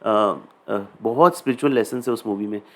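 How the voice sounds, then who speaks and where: A man's voice: on the low side, normal speed, fairly bright tone. A man with an Indian accent giving a casual spiritual talk, chatty and conversational, mixing English phrases into his speech and often checking in with listeners. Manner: conversational, mixes English phrases into Hindi, often asks "ठीक है?". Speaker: spiritual teacher.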